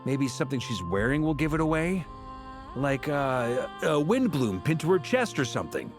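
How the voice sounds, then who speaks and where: A man voicing an easygoing knight in a video game who talks in relaxed, teasing banter. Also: mid-range voice, normal speed, over music. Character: genial male knight, easygoing and joking.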